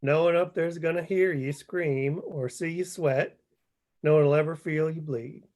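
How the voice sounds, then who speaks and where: A man's voice: a little high, normal speed, a little mellow, lightly acted. A man playing a grim, hard-bitten, wary coal miner in a screenplay table read, with a folksy, dour manner. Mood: bitter.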